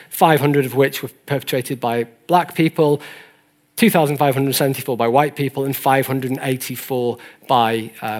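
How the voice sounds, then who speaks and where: A man lecturing in an earnest, didactic way, stressing key points as he explains figures to an audience. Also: medium pitch. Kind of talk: explanatory presentation of statistics to an audience.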